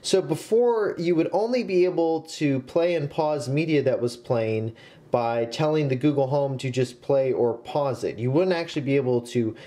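A young man in his twenties narrating a scripted tech review with a clear, instructional delivery. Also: mid-range voice, moderate pace, mellow. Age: 20s. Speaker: tech reviewer, video host.

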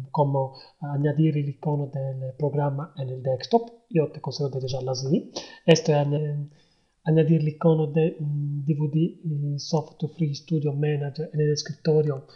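A man giving a hesitant step-by-step software tutorial, with many pauses and fillers. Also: a little high, flat delivery. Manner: hesitant, many ums and ers. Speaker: tutorial host. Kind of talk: screen-recorded software tutorial. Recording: dull lo-fi voice-over.

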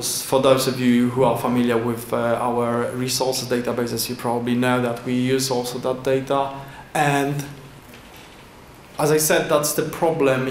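A man's slide talk at a conference comes through a lectern microphone at a podium, in a large indoor hall that sounds echoey with faint ambience and a little hiss or hum. His voice is mid-range, and his non-native English is halting, peppered with fillers and restarts.

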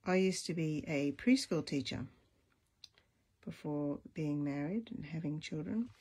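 A woman with a deep, husky voice hosting a casual stamping tutorial, chatting and thinking aloud as she crafts. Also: measured pace, darkish tone. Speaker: craft video host.

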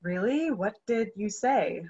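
A woman's voice: mid-range voice, animated, slow pace, warm tone, slightly rough. A young woman playing an eager, innocent opera singer in a staged reading. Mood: eager, surprised. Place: room at home, video call. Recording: dull, muffled video-call audio.

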